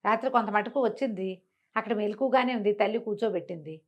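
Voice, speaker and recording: A woman telling a story in an animated, conversational way, as an informal oral storyteller. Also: medium pitch, quick pace, dull audio. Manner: conversational, acts out characters' dialogue.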